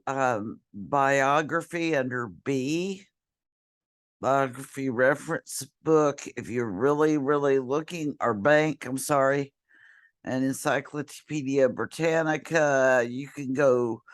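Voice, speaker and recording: Brief: hoarse woman, voice half gone, slow unhurried screen-share tutorial, throat clearing, computer mic. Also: very deep voice. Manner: slow, halting, clears throat often, apologetic. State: losing her voice, hoarse and whispery. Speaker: college librarian or instructor.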